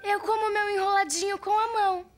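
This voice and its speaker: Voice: very high-pitched, steady tone, fairly quick. A performer voicing a confident, slightly bossy young girl in a Brazilian cartoon dub, explaining things matter-of-factly. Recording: music behind the voice.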